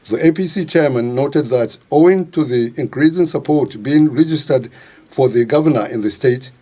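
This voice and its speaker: Nigerian man doing a formal news report voiceover, darkish husky voice. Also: mid-range voice, warm tone. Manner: formal reading. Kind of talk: scripted news report voice-over.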